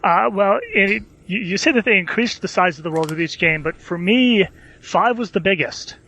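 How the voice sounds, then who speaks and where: A man's voice: high-pitched, expressive, moderate pace, sharp tone. A man giving his opinions as a panelist in a casual gaming podcast, heard over lo-fi voice chat. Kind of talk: casual, opinionated discussion about games. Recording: dull lo-fi voice chat.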